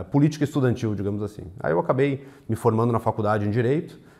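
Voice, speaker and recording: A man rattles off his words at a very fast pace, his pitch varying in an ordinary way, with a quiet background behind him. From southern Brazil, Santa Maria (Rio Grande do Sul); Rio Grande do Sul, Brazil. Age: 20s. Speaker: mayoral candidate, lawyer and former state legislator; candidate. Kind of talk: political interview. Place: studio. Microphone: lapel.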